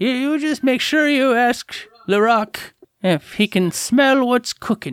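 This put-on character voice has a clear, smooth, fairly bright tone. It moves at a fairly slow pace with lively intonation. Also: man, extremely high pitch for a man.

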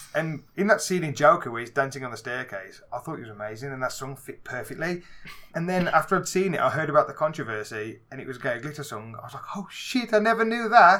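A man's very fast speech in a fairly high pitch, with very wide pitch swings and big swings in loudness over noticeable background noise. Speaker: podcast host. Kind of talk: casual chat. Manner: animated.

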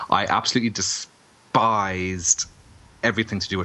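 With a slight Irish accent, the man talks with fairly even intonation. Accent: mild Irish. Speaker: horror film podcast co-host. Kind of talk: casual chat. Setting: remote call.

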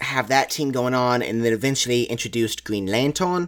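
A man talks in a very clean recording where the background is completely silent. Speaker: podcast co-host. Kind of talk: casual chat.

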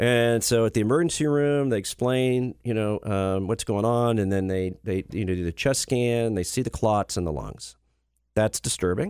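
A man with an ordinary speaking voice talks at a medium pitch and a moderate pace, with ordinary pitch variation. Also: very clean recording, silent background. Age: 50s. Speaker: radio host, criminal defense attorney. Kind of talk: casual talk radio chat.

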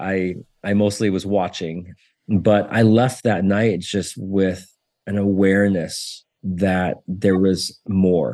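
With an American accent, a man speaks in a fairly low pitch with a dark, mellow tone and fairly even intonation over a quiet background. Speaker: campus ministry leader. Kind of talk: testimony. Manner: halting, frequent repeated words.

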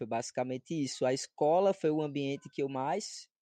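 A man's fairly high-pitched voice with a dark, mellow tone, dry and close with no echo, over a quiet background. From Brazil, Paraíba. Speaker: musician and activist. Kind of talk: casual interview chat.

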